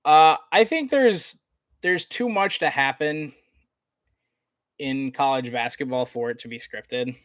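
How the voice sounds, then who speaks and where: A man's voice: mid-range voice, takes it slowly, fairly bright tone, no room sound. A man doing live play-by-play basketball commentary from his room, slipping into informal, conversational asides with viewers. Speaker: sports livestream play-by-play commentator.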